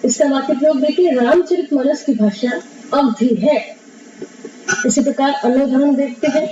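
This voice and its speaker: A woman teacher giving a classroom lesson, explaining slowly, repeating key terms and asking questions she then answers herself. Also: high voice, noisy background. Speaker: Hindi teacher. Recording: distant roomy lo-fi recording.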